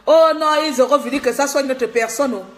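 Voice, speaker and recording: A woman from Gabon delivering a fiery political monologue, scolding and repeating herself, laughing at times and dropping to a low confiding tone. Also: a little fast. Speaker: political activist vlogger.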